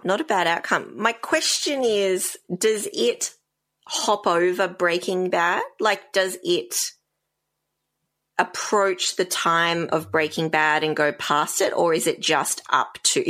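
A woman's voice: lowish voice, slow pace, fairly bright tone. A woman co-hosting a radio show in casual chat, attentively asking questions with brief interjections. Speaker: radio co-host. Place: radio studio.

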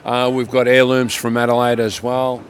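An older man with a croaky voice from a lingering cough, talking through his market produce in a chatty, plainspoken way. His pitch sits in the middle of the male range. Faint street noise hums behind him. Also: level tone, moderate pace. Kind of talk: casual radio chat.

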